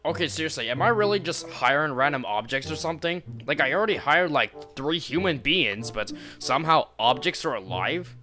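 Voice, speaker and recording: Man playing a bewildered principal, lively pitch swings, rambling, fillers, restarts. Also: a little fast, few pauses, soft background music. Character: male school principal, bewildered and excitable. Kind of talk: amateur animation voice acting.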